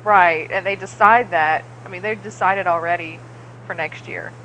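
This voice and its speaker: A woman's voice: on the low side, normal speed, a bit bright, slight background noise, rough recording. A woman chatting casually over a call, blunt and emphatic, swearing freely when she gets worked up. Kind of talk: casual chat. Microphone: remote call.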